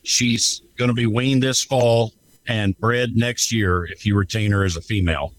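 A man's voice: on the low side, steady tone, moderate pace, no echo, low-quality recording. A man with a folksy, plain-spoken way of talking, giving conversational market commentary as a guest. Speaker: guest, livestock marketing rep and cattle owner.

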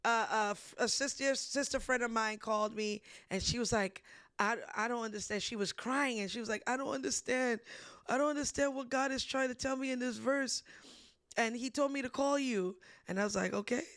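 A woman hosting a casual faith discussion, telling stories with lively animation and frequent laughs. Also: fairly high pitch, brisk, no echo, studio quality. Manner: animated storytelling, laughs often. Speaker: ministry host.

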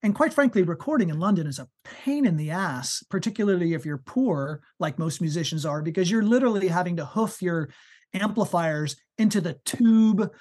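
A man with a high voice, a musician telling stories in a casual interview, animated and full of fillers and restarts. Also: normal speed, slightly rough. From United States. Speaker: musician guest.

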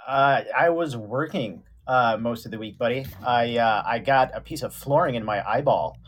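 A man's voice: mid-range voice, normal speed. Brief: playful male co-host with a mid-range voice, easygoing banter. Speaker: radio co-host. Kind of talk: casual joking chat.

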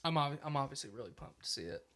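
A young man hosting a podcast, chatting casually with crude, deadpan jokes. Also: medium pitch, quick pace. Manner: joking, crude, deadpan asides. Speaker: podcast host.

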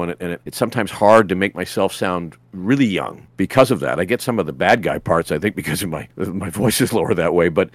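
A man's voice: low-pitched, no echo. A man, a voice actor guest on a podcast, telling rambling anecdotes with lots of restarts and fillers. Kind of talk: casual podcast interview.

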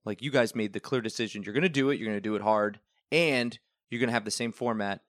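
A man's voice: on the low side, quick pace, a bit bright, dry recording, clean studio sound. A young man from the Northeastern US, a TV news reporter, telling rambling stories in a casual podcast chat and laughing often.

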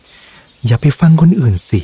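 A man's voice: unhurried, mellow, natural voice. A man voicing a small loyal mouse who earnestly encourages his friend, in a raised voice. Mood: encouraging.

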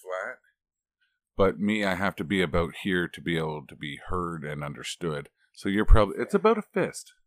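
Deep-voiced joking man. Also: a little fast, no echo. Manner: joking, teasing, lively. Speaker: co-host and announcer. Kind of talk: casual podcast banter.

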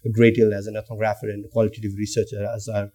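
A man's voice: fairly low pitch, monotone, racing, dark tone. A man from Nepal, a researcher in his thirties, speaking thoughtfully with many fillers and restarts. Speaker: guest lecturer and researcher. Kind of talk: academic conversation.

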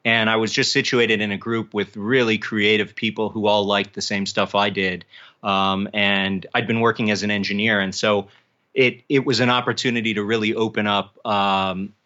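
Bright, low-voiced American man, slightly lo-fi. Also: level tone, normal speed. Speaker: author, guest. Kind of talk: casual interview talk.

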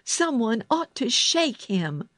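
A woman's voice: on the high side, sing-song, slow, a bit bright, dry recording, voice pushed up, full character voice. A woman voicing a contrary, headstrong young girl in a storybook, blunt and insistent. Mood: annoyed.

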